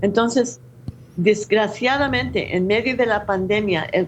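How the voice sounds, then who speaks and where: A woman talks very slowly, her intonation lively. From New Mexico, US. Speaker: presidential candidate, activist. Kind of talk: interview.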